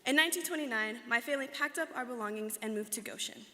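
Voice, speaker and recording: A woman's voice: a little high, fast talker, sharp tone. A young woman, a student actor, giving an earnest, rehearsed account of a life in the first person. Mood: earnest recollection. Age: young adult. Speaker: student performer in a dramatic reading. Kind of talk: rehearsed staged monologue. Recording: live reading in reverberant hall.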